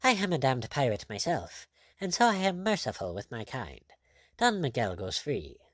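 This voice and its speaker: A man voicing a cool, courteous, mocking pirate captain, quietly firm and sardonic, in an audiobook adventure story. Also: medium pitch, huge pitch swings, normal speed, no room sound, clean studio sound. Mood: wry, weary.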